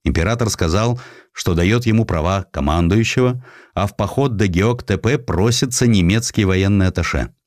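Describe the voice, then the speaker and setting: A man narrating a historical essay as an audiobook, with an expressive, theatrical storytelling manner. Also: on the low side, moderate pace, no room sound, clean studio sound.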